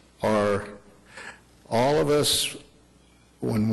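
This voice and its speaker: The voice belongs to a man at a medium pitch. Audible room echo surrounds it. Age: 70s. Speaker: retired firefighter speaking at public comment. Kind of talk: public comment at council meeting. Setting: city council chamber.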